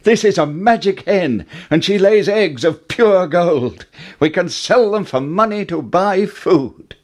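A man doing an excited young boy. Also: high-pitched, slow pace, voice pushed up, exaggerated voice.

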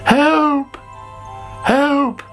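A storyteller voicing a greedy, cheeky young male caterpillar in a high, excitable voice. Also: moderate pace, gravelly, faint music behind. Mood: frightened. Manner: high, excitable, whiny when scared.

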